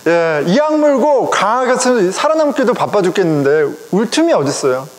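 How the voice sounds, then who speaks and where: A middle-aged man, a pastor, preaching a sermon in a conversational, animated way, speaking directly to his congregation. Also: high-pitched, normal speed. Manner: conversational, animated, chuckles often, addresses congregation. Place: church sanctuary. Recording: long reverb of a church hall.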